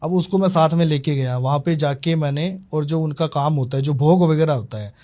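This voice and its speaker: Guy telling his ghost exorcism story in an interview, kinda high voice, acts out what people said. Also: brisk. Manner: animated retelling, voices other people's lines. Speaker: exorcist recounting a case.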